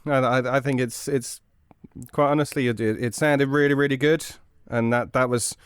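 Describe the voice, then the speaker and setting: A man's voice: mid-range voice, steady tone, moderate pace, clean tone, no echo. A man co-hosting a podcast in casual chat, wry and encouraging. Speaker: podcast co-host and voice actor.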